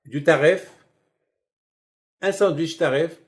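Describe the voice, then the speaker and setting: A middle-aged man giving a sermon as a rabbi, telling stories in a lively, colloquial way. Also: on the high side, takes it slowly. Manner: animated, colloquial storytelling.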